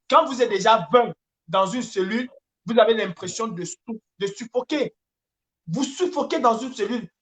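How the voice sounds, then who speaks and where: A man's voice: high voice, fairly bright tone. Emphatic Francophone Cameroonian man making an appeal. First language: French. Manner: emphatic, repetitive, hesitating as he searches for words. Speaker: activist and campaigner. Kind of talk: impassioned political appeal.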